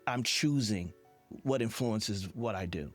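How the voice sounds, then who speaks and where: A man's voice: fairly low pitch, a little slow, no echo, soft background music. A man hosting an interview in a casual, conversational style. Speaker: interview series host.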